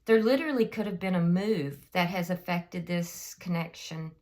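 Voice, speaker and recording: A woman with a slightly hoarse voice from a cold, giving a casual tarot reading and thinking aloud with frequent ums. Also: fairly low pitch, moderate pace, a little mellow. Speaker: tarot reader.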